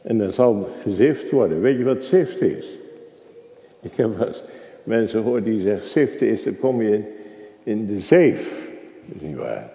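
Older man preaching, gravelly and dramatic. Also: fairly low pitch, big pitch swings, measured pace, warm tone. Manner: dramatic preaching with rhetorical questions to the congregation. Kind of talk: sermon. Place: church. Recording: echoey, dull church recording.

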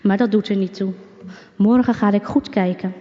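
A woman voicing a gentle, lonely old male shoemaker who sighs and muses to himself, read as a storybook character. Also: mid-range voice, steady tone, normal speed, natural voice. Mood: pondering. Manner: sighing, musing to himself. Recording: dull recording with long reverb.

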